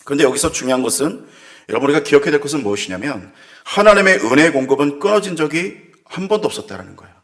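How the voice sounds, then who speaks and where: A man's voice: a little high, expressive, racing, fairly bright tone. A man preaching a sermon as pastor, earnest and reflective, with sighing asides as he muses aloud. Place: church.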